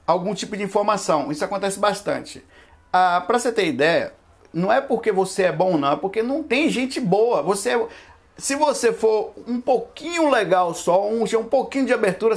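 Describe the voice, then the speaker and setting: High-voiced man giving a casual spiritual talk. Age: 40s. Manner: conversational, rambling, with frequent asides. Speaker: spiritualist lecturer. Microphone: camera microphone.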